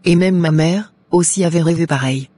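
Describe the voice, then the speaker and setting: A woman's voice: lowish voice, normal speed, mellow, breathy edge, dry recording. A woman voicing a devout, earnest young Christian woman in a cartoon, speaking in a pious way. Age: young adult.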